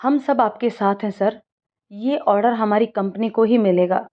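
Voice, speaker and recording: A woman's voice: mid-range voice, unhurried, lightly acted. A woman voicing a loyal, upbeat male office manager in a hearty, eager manner, on a dull lo-fi recording. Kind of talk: storybook voice acting.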